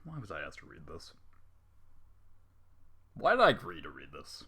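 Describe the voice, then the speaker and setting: A man's voice: low-pitched, huge pitch swings, normal speed, sharp tone, husky. A man reading fan fiction aloud with running commentary, exasperated and sarcastic, swearing often.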